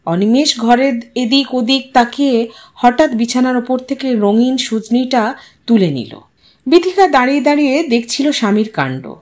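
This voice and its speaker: A woman's voice: on the high side, expressive, normal speed. A woman storyteller giving a scripted, dramatic narration of a short story.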